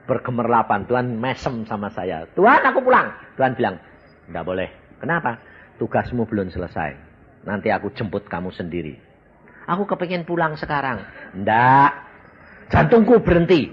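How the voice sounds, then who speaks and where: Male preacher, lively swooping pitch, sudden loud outbursts, dull lo-fi audio. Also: moderate pace, long pauses. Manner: animated storytelling, acting out voices with sudden loud outbursts. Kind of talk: sermon. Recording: dull lo-fi audio with faint noise.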